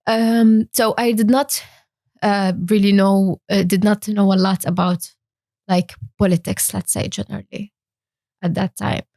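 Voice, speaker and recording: Young woman from Syria, interview guest, halting delivery, dry sound. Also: mid-range voice, level tone, vocal fry, warm tone, no room sound. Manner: hesitant, many fillers and restarts. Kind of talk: interview talk.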